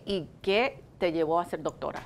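A woman's voice: on the low side, normal speed, creaky. A middle-aged woman hosting a community TV program, chatty with casual Spanglish, on a lapel mic in a studio. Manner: chatty, warm-toned studio host, uses Spanglish. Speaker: TV show host. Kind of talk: community TV news and interview.

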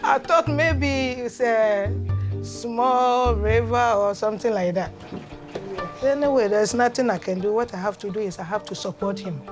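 A middle-aged woman speaks slowly and plainly, in simple phrases, from her living room. Music plays clearly behind her. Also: fairly high pitch. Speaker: parent. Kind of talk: documentary interview.

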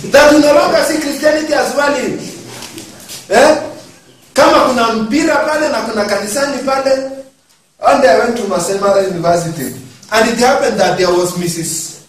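A man preaching a sermon in an animated way, often asking the congregation questions. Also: very high-pitched, brisk. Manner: animated, code-switching, asks the congregation questions. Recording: echoey hall from a distant mic.

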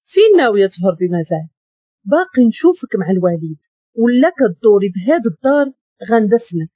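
A woman's voice: medium pitch, big pitch swings, fairly quick, mellow, breathy edge, no room sound, lo-fi sound. A woman with a Moroccan accent voicing a cold, threatening young man who interrogates harshly. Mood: menacing.

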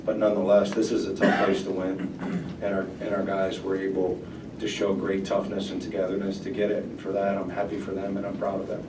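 A man in his forties speaks as a coach at a press conference, measured and earnest. His voice is low and almost monotone. The table mic is far off, and the room echoes with a noisy background. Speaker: visiting head coach. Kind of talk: post-game press conference. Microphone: table microphone.

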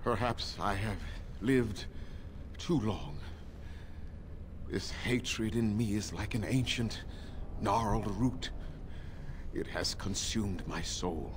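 An actor playing an ancient, bitter, weary male elf in a fantasy video game, grave and halting. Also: lowish voice, background noise. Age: older.

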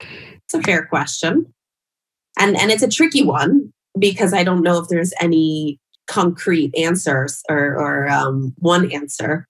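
A woman in her thirties giving thoughtful, measured answers in a conversational interview from home. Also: on the low side, lively intonation, breathy edge, low-quality recording. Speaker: psychologist guest, relationship podcaster. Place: home room, indoors. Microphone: video call, wearing headphones.

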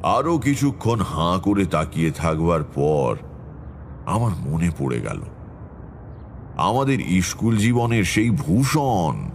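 An actor playing a middle-aged tantric astrologer, narrating his past in a measured, reflective way for a horror audio story. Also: low voice, very animated, a little hiss or hum, heavily acted. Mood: measured, reminiscing. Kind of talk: dramatic first-person horror story narration. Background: background music.

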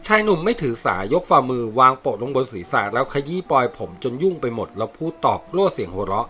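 A man reading a war novel aloud as narrator, with steady storytelling. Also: medium pitch, quick pace. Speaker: audiobook narrator.

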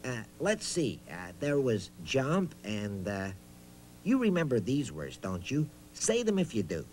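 A man's voice: medium pitch, huge pitch swings, a little slow. A man voicing a talking boot puppet on a children's reading show, eager and hammy, hesitating as he talks straight to young viewers. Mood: encouraging. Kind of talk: children's reading lesson, playful recitation.

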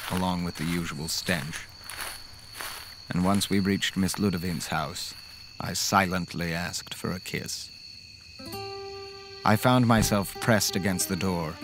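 An actor playing a smitten, gentlemanly man recounting a dark horror romance in an audio drama. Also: low voice. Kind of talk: dramatic first-person audio drama narration.

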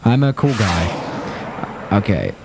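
A man's voice: fairly low pitch, takes it slowly, vocal fry, noisy background. A young man streaming a flight sim, chatting loosely and getting flustered when things break, on a desk mic in a small room. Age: young adult. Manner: chatty, excitable, flustered by emergencies. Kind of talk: live-stream commentary. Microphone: studio mic on desk.

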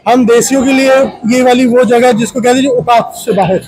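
Male vlog host, South Asian accent, high voice, casual and chatty commentary. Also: fairly even intonation, a little fast, a little mellow, a little hiss or hum, low-quality recording. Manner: chatty, playful, code-switching into English. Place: inside a large shopping mall.

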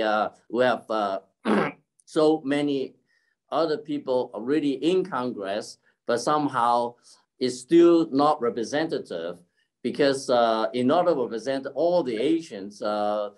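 Halting older man giving an informal speech. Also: mid-range voice. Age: older, about 70s. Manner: halting, with frequent throat-clearing. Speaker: keynote speaker and community leader. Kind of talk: informal extemporaneous speech on an online forum. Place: indoor room at home, by a curtained window. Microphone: video call, device mic at desk distance.

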